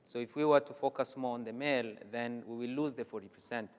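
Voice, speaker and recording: Measured man on a hall panel. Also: medium pitch, steady tone. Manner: measured, hesitant with fillers. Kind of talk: panel discussion. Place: conference hall stage. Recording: echoey conference hall.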